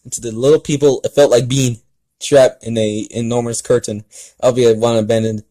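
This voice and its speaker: A man doing an amateur read-aloud of a story with casual side comments, in a halting way that stumbles over words. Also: mid-range voice, flat delivery, warm tone. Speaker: fan fiction reader and commentator.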